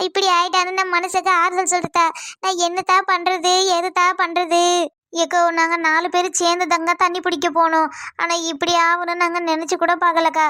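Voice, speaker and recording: A woman's voice: extremely high pitch, sharp tone, no echo, studio quality. A woman voicing a young village woman who pleads and apologises tearfully. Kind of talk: cartoon comedy voice acting.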